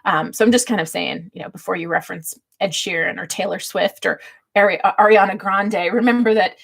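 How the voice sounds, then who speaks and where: A woman's voice: medium pitch, a little fast, gravelly, fairly bright tone, husky. Female livestream host, middle-aged, mid-range voice with some huskiness. Informal teaching delivery, chatty and easygoing. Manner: chatty, laughs readily as she talks. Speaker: livestream host giving book-writing tips. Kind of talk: casual livestream teaching talk with chat replies.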